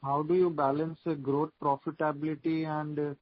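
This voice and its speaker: A man putting formal, measured investor questions on an earnings call. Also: on the high side, little pitch movement, no room sound. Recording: dull, dry conference call line.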